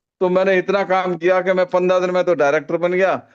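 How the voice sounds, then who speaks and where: High-pitched male voice over a quiet background. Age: 70s. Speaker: network marketing leader. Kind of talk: testimony.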